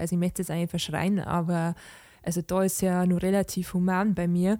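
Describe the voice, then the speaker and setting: Here is a woman with a plain, everyday voice at medium pitch. She talks at a moderate pace. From Bavaria. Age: 20s. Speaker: musician. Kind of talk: casual chat. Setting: video call.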